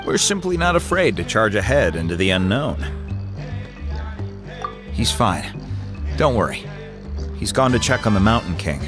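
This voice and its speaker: A deep, measured tribal chief. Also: male voice. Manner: measured, explanatory. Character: calm, earnest male tribal chief. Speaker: tribe chief. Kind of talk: video game voice acting. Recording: game audio with music behind.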